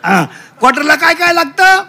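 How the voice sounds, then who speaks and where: A man's voice: very high voice, big pitch swings, normal speed, pushed and bright. A man preaching a humorous kirtan, telling jokes and quizzing the crowd. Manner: jokey, storytelling, quizzing the audience with call and response.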